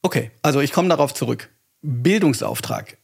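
Guy hosting a podcast, gravelly voice, rambles along excited, lots of ums. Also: medium pitch, moderate pace. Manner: rambling, enthusiastic, many fillers. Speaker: podcast host, German teacher. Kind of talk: casual interview talk.

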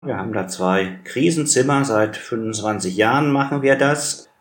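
A man's voice: mid-range voice, normal speed. A man who speaks for a patient advocacy group, answering in an interview in a conversational way, often ending points with a tag question. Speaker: patient advocacy board member. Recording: roomy echo.

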